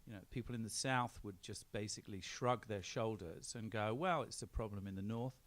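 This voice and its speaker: A man's voice: lowish voice, a little fast. A man from Belfast giving opinionated answers on a live panel, emphatic and repeating phrases to drive points home. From Belfast, Northern Ireland. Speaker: film director, panel guest. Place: on stage at a film premiere event.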